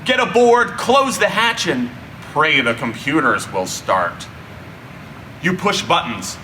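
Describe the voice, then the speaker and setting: A man narrating a children's story expressively, with dramatic, drawn-out emphasis and deliberate pauses. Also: fairly high pitch, very animated, sharp tone. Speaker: storyteller reading a children's book. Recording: distant mic, faint background hum.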